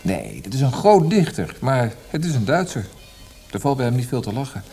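A man's voice: medium pitch, very animated, normal speed, mellow, soft background music. An actor playing a disillusioned, reflective male poet with a dry irony, in naturalistic radio play dialogue. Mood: wry, reflective. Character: disillusioned Austrian poet, thoughtful and wry husband.

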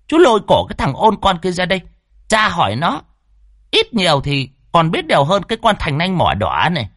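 A foul-mouthed old woman exorcist, put on by a man telling the story barks threats in a high, shrill voice. She is bossy and coarse, her pitch leaping all over the place, with a dry, husky edge. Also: fairly bright tone, no room sound, exaggerated voice.

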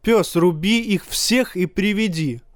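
A spoiled, hot-tempered young king barks commands at his guards, as a male audiobook narrator puts him on. The voice is pushed noticeably higher than the reader's own and comes across dry and close, with no room around it. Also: takes it slowly, no room sound. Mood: furious. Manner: shouting imperious commands.

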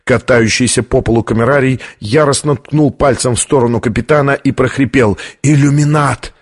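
Guy reading an audiobook, steady even narration, mid pitch. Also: a little fast. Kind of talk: scripted narration.

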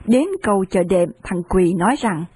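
A woman narrating an audiobook novel in an expressive reading voice. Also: medium pitch, moderate pace, husky, dry recording.

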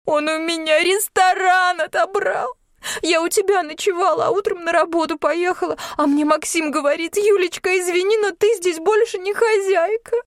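A woman voicing a sobbing, high-pitched young woman. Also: animated, measured pace, a little mellow, dry recording, studio quality. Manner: wailing, sobbing outbursts. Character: distraught young woman friend, tearful and excitable.

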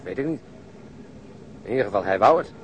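A man's voice: lowish voice, expressive, brisk, slight background noise, natural voice. An actor playing a weary, matter-of-fact wounded policeman in a naturalistic radio drama, speaking bluntly. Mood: subdued.

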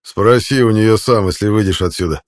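A man voicing a brutal male captor who taunts slowly and menacingly. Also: fairly low pitch, close to an everyday voice. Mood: taunting.

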